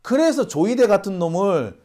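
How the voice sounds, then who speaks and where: Host, indignant and ranting; voice sits a bit high and swings widely. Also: male voice, big pitch swings, moderate pace, dark tone. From Busan, South Korea. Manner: indignant, ranting with rhetorical questions. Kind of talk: political commentary.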